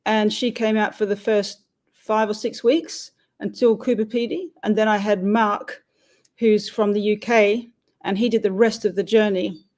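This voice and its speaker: Woman guest, chatty and halting, explorer type. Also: mid-range voice, fairly even intonation, a little mellow. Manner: rambling with many ums and restarts. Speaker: expedition cyclist guest. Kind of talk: casual interview over a call.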